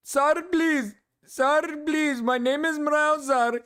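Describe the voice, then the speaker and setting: A man's voice: very high-pitched, fairly even intonation, slow, fairly bright tone, pitched above the performer's own voice, full character voice. A man putting on a pleading, mock-earnest man who insists on his innocence in a whiny, insistent way. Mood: pleading, boastful.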